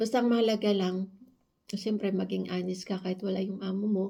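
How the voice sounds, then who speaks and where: Against a quiet background, a woman at medium pitch speaks at a moderate pace in a somewhat breathy, dark, mellow tone with monotone, flat intonation. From Philippines. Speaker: vlogger and domestic worker; vlogger. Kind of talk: personal vlog testimony. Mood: reflective, earnest. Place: home room. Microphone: phone near.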